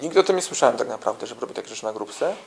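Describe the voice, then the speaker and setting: A man's voice: mid-range voice, animated, very fast, creaky. A man giving an informal teaching talk to church small-group leaders, conversational and full of restarts, who keeps checking in with his listeners through tag questions. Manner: conversational, with frequent restarts and slang.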